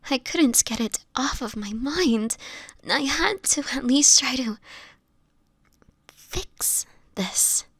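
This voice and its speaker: A woman playing a sickly, gentle homeless woman turning vampire in an intimate audio roleplay, with a whispery, hesitant delivery. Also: high voice, lively intonation, dry recording, full character voice. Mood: ashamed. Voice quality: breathy, whispery. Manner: halting, hesitant, fragile delivery.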